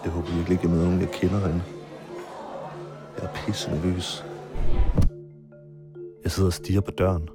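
A man narrating his own story in a quiet, measured first-person documentary style, with marimba music behind him. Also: sits low, flat delivery.

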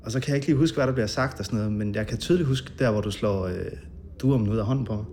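A man being interviewed, recounting a memory in a halting way with many fillers and vivid detail. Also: on the low side, a little mellow, slight background noise.

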